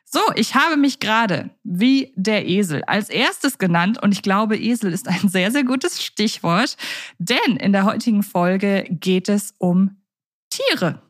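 A woman's voice: medium pitch, lively intonation, slow pace, dry recording. Woman podcast host, close dry sound. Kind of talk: conversational podcast moderation.

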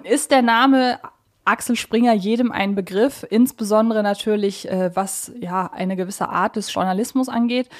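A woman podcast host moderating conversationally, explaining things in a chatty, wordy way. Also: medium pitch.

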